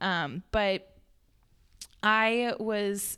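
With an American accent, a woman is talking. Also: very clean recording, silent background. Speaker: podcast co-host. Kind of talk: casual chat. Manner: animated.

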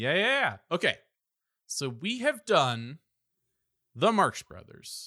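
A man with a high, bright, sharp voice projects it loudly at a very slow pace, with long, frequent pauses, very wide pitch swings and big shifts in loudness, all in a dry, close sound with no echo. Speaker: podcast co-host. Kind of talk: casual chat. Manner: animated.

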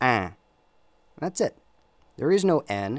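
A man speaks with an American accent at medium pitch. His pitch swings very widely. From US Pacific Northwest. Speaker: linguist researching speech production. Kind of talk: casual interview conversation. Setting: studio with ultrasound probe under tongue.

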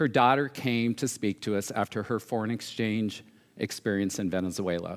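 A man's unremarkable speaking voice with an American accent, fairly low in pitch, with fairly even intonation, at a moderate pace, on a very clean recording with a silent background. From US Pacific Northwest, eastern Washington. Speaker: church treasurer. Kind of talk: testimony.

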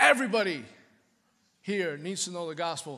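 Raised, projected voice with a Spanish accent, bright and sharp in tone, fairly quick, with lively intonation. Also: man. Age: 50s. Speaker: pastor. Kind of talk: sermon. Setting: church. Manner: animated.

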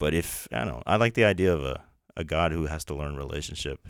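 In a very clean recording with a silent background, a man with a very deep, low pitch and vocal fry speaks at a fairly quick pace with lively intonation. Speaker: podcast host. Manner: thoughtful, conversational, uses fillers like "right" and "like".

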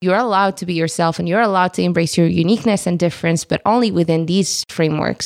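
A woman speaks very fast with a Moroccan accent, her voice dry and close with no echo. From Morocco. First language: Moroccan Arabic. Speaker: podcast guest. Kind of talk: casual discussion. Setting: studio.

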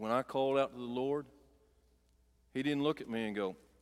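This man speaks with a Southern US accent at a moderate pace. His pitch sits in the medium range. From northeast Arkansas. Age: 50s. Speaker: preacher. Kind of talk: sermon. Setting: church. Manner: animated.

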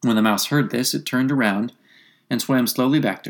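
Plain reading aloud is delivered with ordinary pitch variation.

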